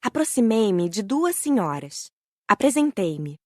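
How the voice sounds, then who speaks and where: Female audiobook narrator, descriptive storytelling, medium-pitched with a lively melodic swing, dry studio sound. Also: takes it slowly, dry recording. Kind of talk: scripted audiobook narration in first person.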